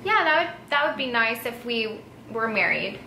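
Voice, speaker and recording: A young American woman vlogger talks casually and informally to her viewers. Her voice is bright and forward. The room adds noticeable echo, with a little noise behind her. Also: on the high side, big pitch swings, normal speed. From Texas, United States. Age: young adult. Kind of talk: casual chat, answering viewer assumptions. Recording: echoey room with faint background noise.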